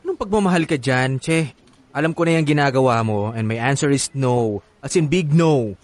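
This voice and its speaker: A man's voice: mid-range voice, lively intonation, normal speed, no room sound, natural voice. An actor with a Filipino accent playing a haughty, exasperated gay man in a radio comedy drama, with campy, dismissive exclamations.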